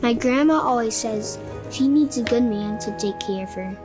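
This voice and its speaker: A woman's voice: a little high, moderate pace, lightly acted. A woman voicing a curious, chatty little boy who is a hospital patient, talking sweetly and earnestly. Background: music.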